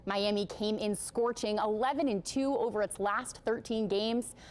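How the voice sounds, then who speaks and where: A woman's voice: medium pitch, normal speed, darkish tone. A woman with an American accent reading a scripted sportscast as anchor.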